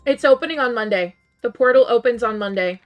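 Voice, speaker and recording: A woman game streamer with a slightly raised, bright-ish pitch and a voice gone a little hoarse from long streams. She chats loosely with viewers, laughing between thoughts and leaning on "um", with soft game music in the background. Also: fairly quick. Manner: chatty, laughs often, many "um" fillers. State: slightly hoarse, losing her voice. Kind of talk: casual live-stream chat.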